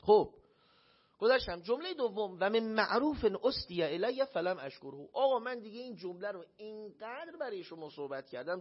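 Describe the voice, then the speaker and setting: Captured in dull lo-fi sound, a slightly high, breathy-edged man gives a religious sermon inside a shrine hall. Along the way he shares a personal story and acts out the voices he quotes.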